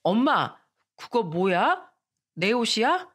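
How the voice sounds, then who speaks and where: A woman voicing a poor young schoolgirl, shrill and pleading, in a radio drama reading. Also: sing-song, measured pace, fairly bright tone, full character voice. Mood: delighted.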